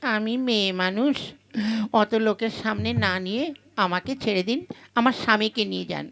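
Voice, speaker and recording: A woman playing a pouting, sly young wife in a puppet-show comedy, coaxing and quick to scold. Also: medium pitch, vocal fry. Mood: pleading. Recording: loud music under the dialogue.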